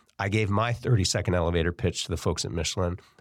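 A man with an American accent and a very deep, low pitch talks very fast. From northern California (Davis, Bay Area). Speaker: tourism bureau executive. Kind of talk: interview.

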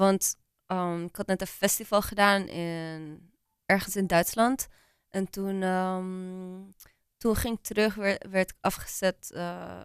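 A woman speaks very slowly at medium pitch, in a monotone, flat intonation. The sound is dry and close, with no echo. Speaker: musician and painter. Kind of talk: casual interview. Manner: halting, frequent fillers.

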